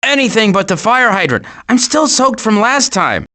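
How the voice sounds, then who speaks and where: Cautious turtle worrier for an animated game: exasperated, wry, highly varied intonation. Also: male voice, moderate pace, full character voice. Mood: wry, fretful. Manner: fretful, wry grumbling. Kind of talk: animated video game voice acting.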